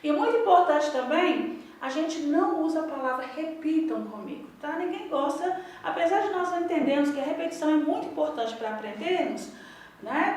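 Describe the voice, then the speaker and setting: A woman with a Brazilian Portuguese accent training English teachers in a lively instructional talk, modeling drills aloud with varied intonation. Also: sits high. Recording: echoey room, voice from a distance.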